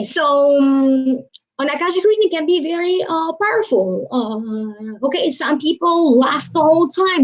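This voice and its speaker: A woman from Albania, talking casually on a live stream as a psychic reader, rambling with many fillers and trailing phrases. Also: high voice. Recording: dull lo-fi live stream audio.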